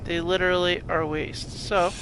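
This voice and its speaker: A man's voice: high voice, level tone, moderate pace, noisy background. A congested man with a nasal sound, casually thinking aloud and muttering as he plays a game. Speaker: let's play gamer. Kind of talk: casual gameplay commentary.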